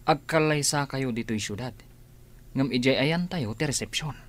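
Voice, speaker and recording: A man's voice: mid-range voice, normal speed, lightly acted. An actor playing Alex, a young man who is the groom's friend, in a radio drama.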